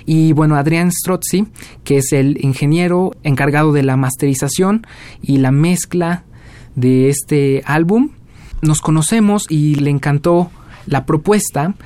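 A Mexican man in his twenties, a young jazz musician answering interview questions in a relaxed storytelling way with many fillers. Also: on the high side, unhurried, no room sound. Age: 20s. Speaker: guest musician.

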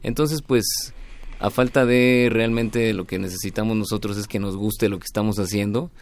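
A man's voice: lowish voice, fairly even intonation, normal speed. A man speaking as an interviewed band leader, in casual, reflective talk, often searching for his words.

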